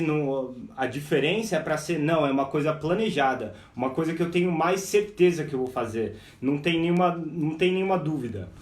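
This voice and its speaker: A lively Brazilian man teaching English on a live stream, his voice sitting a little higher than most men's. He keeps saying "guys" and slows right down to spell out example phrases. The sound is roomy and echoey, and he seems to stand back from the mic. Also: far from the mic. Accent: Brazilian Portuguese. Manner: energetic, repeats "guys", drills example phrases slowly. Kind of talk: live online English lesson.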